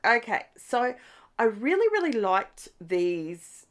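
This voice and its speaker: A woman's voice: fairly high pitch, very animated, takes it slowly. A middle-aged Australian woman with a congested nose, chatting enthusiastically through a scrapbooking tutorial as she works. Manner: chatty, enthusiastic, talks while crafting. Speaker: scrapbooking channel host. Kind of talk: casual craft tutorial chat.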